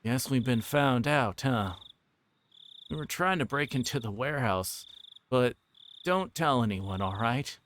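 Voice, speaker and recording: A man's voice: medium pitch, expressive, unhurried, fairly bright tone. A man voicing an easygoing, evasive adult man from a visual novel in a casual drawl. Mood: sheepish, evasive. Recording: clearly noisy background with clicks.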